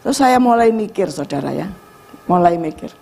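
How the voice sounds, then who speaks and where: A woman's voice: lowish voice, animated, moderate pace, gravelly, warm tone. Woman, middle-aged, pastor, emotional sermon storytelling. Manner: emotional storytelling, dips into Javanese dialect.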